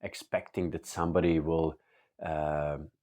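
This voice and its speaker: A man from Latvia sharing a personal faith testimony in earnest, halting English with many pauses. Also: rumbling low, little pitch movement, a little mellow. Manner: earnest and open. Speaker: church member giving testimony.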